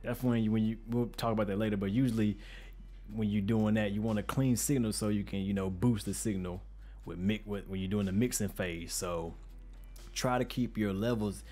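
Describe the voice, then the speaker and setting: Deep-voiced man giving a casual tutorial. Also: fairly even intonation, moderate pace, warm tone, faint music behind. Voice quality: deep, bassy voice. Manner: casual, conversational, slangy. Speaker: music production tutorial host. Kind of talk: informal spoken tutorial. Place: untreated home studio room with reflection filter. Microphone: studio microphone with pop filter, close up.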